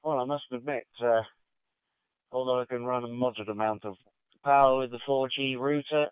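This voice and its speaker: Brief: man reporting in over a thin, tinny radio link; very smooth, clean voice, dry signal, casual ham-radio check-in style. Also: medium pitch, fairly even intonation, normal speed, dry recording. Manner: signs in and out with call signs. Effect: heard over a digital two-way radio link. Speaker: amateur radio net participant. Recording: tinny band-limited radio audio, dry.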